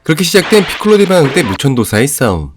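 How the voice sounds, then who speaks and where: A man's voice: fairly high pitch, sing-song, quick pace, over loud music. A man giving scripted narration for an anime story recap.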